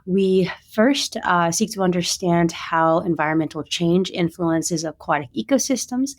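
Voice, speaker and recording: A woman guest introduces her research program in a clear, organized way. Her voice sits somewhat low. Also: unhurried. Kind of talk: interview self-introduction.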